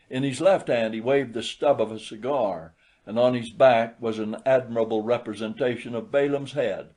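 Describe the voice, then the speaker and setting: Man, mid-range voice, audiobook narration, literary storytelling, measured, expressive. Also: medium pitch.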